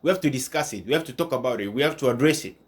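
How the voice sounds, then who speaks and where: A man's voice: mid-range voice, lively intonation, rapid-fire. A man hosting an online channel with informal news commentary, restating his points as he goes.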